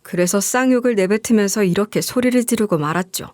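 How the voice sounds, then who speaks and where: A woman narrating a first-person story as a radio storyteller, in a gentle, confiding way. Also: medium pitch, fast talker, dry recording, clean studio sound.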